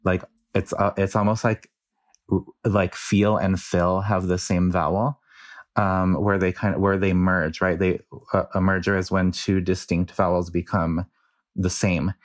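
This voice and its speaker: A deep, level-toned man from New Mexico speaks at a measured pace in studio-quality audio with no room sound. As a linguistics researcher guest in an explanatory interview, he earnestly describes speech patterns in a New Mexico Chicano English accent, using many fillers.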